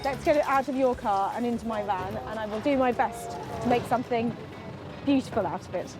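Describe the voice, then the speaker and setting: Bubbly high-voiced woman presenter. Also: brisk, music in the background. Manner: bubbly and enthusiastic. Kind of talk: casual on-location chat. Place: outdoors at a recycling centre.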